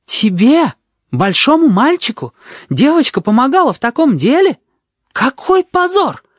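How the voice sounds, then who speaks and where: A man voicing a stern, easily outraged woman nurse who scolds in a shrill, indignant voice. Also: very animated, measured pace, dry recording, clean studio sound, full character voice. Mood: scolding.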